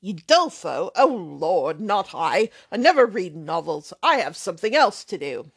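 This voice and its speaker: A woman voicing a boastful, blustering young man, loud and emphatic. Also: fairly low pitch, sing-song, unhurried, slightly rough, pitched below the performer's own voice, full character voice.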